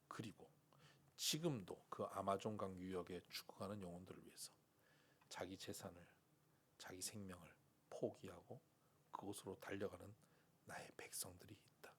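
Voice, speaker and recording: A pastor voicing God as a gentle, solemn fatherly figure, speaking low and half in whispers. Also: breathy edge. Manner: low hushed voice dropping to whispers.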